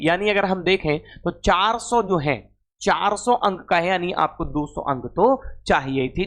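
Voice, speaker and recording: A man's voice: sits high, a bit bright. A man teaching an informal exam-prep class, repeating phrases and asking questions that he then answers himself.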